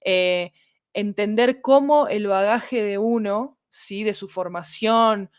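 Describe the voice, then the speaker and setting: A woman with a Latin American Spanish accent talks as an interviewed producer. Her voice sits at a medium pitch in a dry recording. She explains in an animated way and keeps checking that she is being followed. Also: takes it slowly, clear, resonant tone, no echo. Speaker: podcast fiction producer, interviewed guest.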